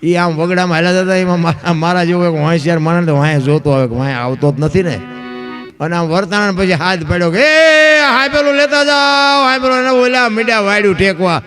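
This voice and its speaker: A high-pitched man spins a folk tale on stage into a microphone. His talk is folksy and direct, turning often to the listeners. Instruments murmur faintly behind him. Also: fairly even intonation, quick pace, soft background music. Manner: folksy, addresses listeners as bapu. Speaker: folk storyteller. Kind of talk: folk dayro storytelling.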